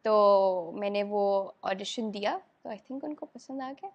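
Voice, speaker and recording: A woman's voice: mid-range voice, slow pace, muffled recording. A young woman with a Pakistani accent, chatting in an interview as an actress guest, laughing often and slipping English into her talk. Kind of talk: casual interview chat.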